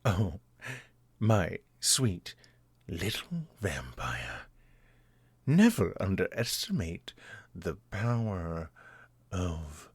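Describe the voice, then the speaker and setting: A man voicing a slow, husky vampire master. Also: low-pitched, dry recording, heavily acted. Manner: slow, menacing, drops into whispers. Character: cruel male vampire master taunting a captive. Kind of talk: audio drama acting.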